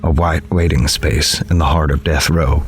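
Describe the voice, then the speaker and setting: An actor playing a grave, observant newspaper reporter, narrating a horror audio drama in the first person in a measured, literary way. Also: male voice, extremely low pitch, steady tone. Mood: somber. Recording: music behind the voice.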